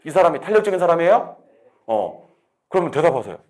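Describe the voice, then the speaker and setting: Fast, animated man lecturing. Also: on the high side. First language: Korean. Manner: animated, drills students with rapid questions. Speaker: real estate exam lecturer. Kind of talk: classroom lecture.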